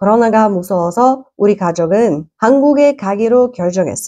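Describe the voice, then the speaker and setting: A woman with a Bulgarian accent speaks fairly slowly, her fairly high voice dark and mellow in tone, with very wide pitch swings. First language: Bulgarian (speaking Korean). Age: 30s. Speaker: YouTuber. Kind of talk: contest speech. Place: home room. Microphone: lapel.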